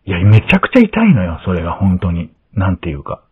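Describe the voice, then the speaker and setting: A man hosting a podcast, chatting casually and telling a story in an animated way, acting out the lines of the people in it. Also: low-pitched, fast talker, slightly rough. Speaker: podcast host. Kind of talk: casual chat. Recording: dull lo-fi sound.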